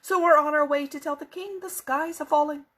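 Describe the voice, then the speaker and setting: A woman voicing a crowing male rooster in a storybook reading, loud and hearty. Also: high voice, steady tone, fairly quick, voice pushed up. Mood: worried.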